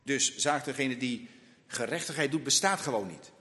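A man preaching a sermon slowly and emphatically, asking rhetorical questions of his listeners. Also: mid-range voice, animated, bright, forceful tone, in a large hall.

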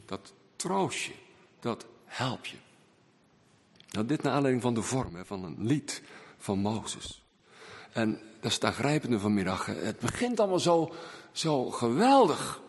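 Animated preacher in echoing church. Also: male voice, medium pitch, measured pace, vocal fry, husky. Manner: animated preaching with big swings between loud and hushed. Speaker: pastor. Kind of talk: sermon. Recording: long church reverb.

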